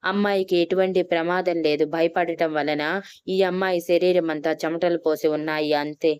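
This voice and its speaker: A woman reads a meek village farmhand in a storybook, bowing and explaining politely. The voice is low and very clear, with a dry close sound. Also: fairly even intonation, moderate pace, darkish tone, no echo, close to an everyday voice. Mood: reassuring. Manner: deferential, explaining. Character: humble village farmhand, deferential man.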